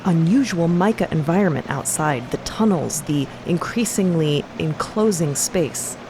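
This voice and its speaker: A woman's voice: sits low, animated, measured pace, background noise. A woman narrating a fiction podcast in the present tense, evocative, descriptive and confiding.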